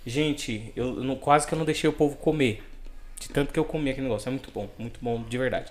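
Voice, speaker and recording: A man's voice: medium pitch, fast talker, a little mellow. Joking Brazilian man hosting a podcast. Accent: Brazilian Portuguese. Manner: jokey, laughs often. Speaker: podcast host. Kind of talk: casual live podcast chat.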